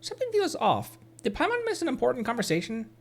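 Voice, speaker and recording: A woman voicing a small, childlike floating fairy companion in a video game, with a squeaky, chirpy voice and a loyal, indignant temper. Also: wildly swooping pitch, quick pace, slight background noise. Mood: puzzled. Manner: speaks of self in third person. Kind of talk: video game character acting.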